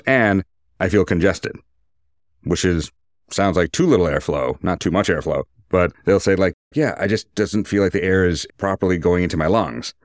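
Very deep-voiced man explaining medicine. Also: no room sound, clean studio sound. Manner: explanatory, conversational, detailed. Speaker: surgeon and medical teacher.

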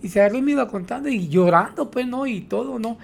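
A man's voice: very high voice, fast, gravelly. A man, a taxi driver, telling his stories in a rambling way, tagging his sentences with "¿no?". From Mexico. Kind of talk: storytelling interview.

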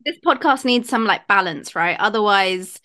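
A woman's voice: medium pitch, animated, moderate pace, pushed and bright. A woman from India co-hosting a casual sports podcast, talking in a gushing, emphatic way. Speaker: podcast co-host.

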